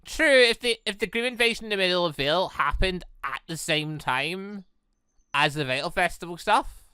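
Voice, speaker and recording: A man hosting a gaming video, reacting excitedly as he reads through a visual novel aloud in an animated, exclaiming way. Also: high voice, normal speed, clear, resonant tone, no echo. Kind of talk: let's play, reading visual novel dialogue aloud with reactions.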